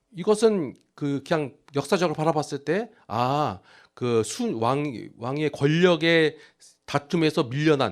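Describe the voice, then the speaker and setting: A man at a fairly slow pace with very wide pitch swings, in a very clean recording with a silent background. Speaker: pastor. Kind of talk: sermon. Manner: halting.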